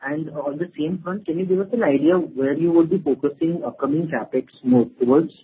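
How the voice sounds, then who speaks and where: A man's voice: fairly high pitch, a little fast, husky. A man, an investment analyst who asks structured questions on an earnings call and often ends them with "right?". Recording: phone-line call audio with faint noise.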